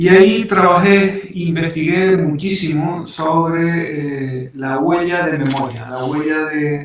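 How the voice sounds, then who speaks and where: A man talks in a fairly high register while noticeable background noise carries on behind him. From Canary Islands, Tenerife. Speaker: forensic psychologist. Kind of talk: lecture. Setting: online webinar. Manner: hesitant, many fillers.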